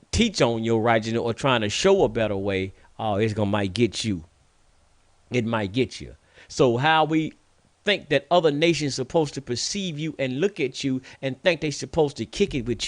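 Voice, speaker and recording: A man's voice: mid-range voice, no room sound. A man from the United States with an African American Vernacular English accent, hosting a radio show and delivering an impassioned, scolding monologue. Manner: preachy, scolding, repetitive emphasis.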